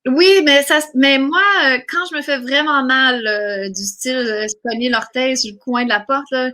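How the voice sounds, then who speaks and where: A woman's voice: high voice, normal speed, pushed and bright. A woman with a Québécois accent, a guest musician chatting in an interview, effusive and full of hesitations and restarts. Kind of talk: casual interview chat.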